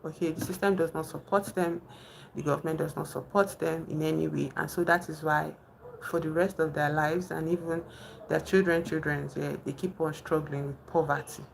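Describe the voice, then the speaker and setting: A young woman with a Nigerian accent talks casually on a home live stream, her voice low and gravelly. She thinks aloud, full of fillers and restarts, with a faint hiss underneath. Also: steady tone, normal speed, low-quality recording. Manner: chatty, thinks aloud with many fillers and restarts, reads viewers' comments. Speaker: livestream host.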